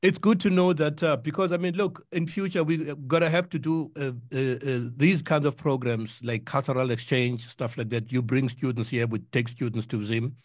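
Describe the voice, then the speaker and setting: A middle-aged South African man hosts a music interview on community radio. His sound is dry and close, with a mid-pitched voice. He talks casually, circling around his point and doubling up words for emphasis. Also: steady tone, normal speed, few pauses, no echo. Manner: rambling, repeats words for emphasis.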